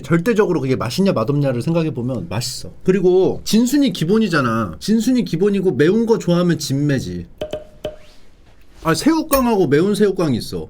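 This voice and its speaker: Male mukbang streamer, slightly high register, swooping melodic delivery, informal, opinionated and teasingly argumentative. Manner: opinionated, playfully argumentative with viewers. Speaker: livestream host reviewing snacks. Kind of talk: casual mukbang livestream chat.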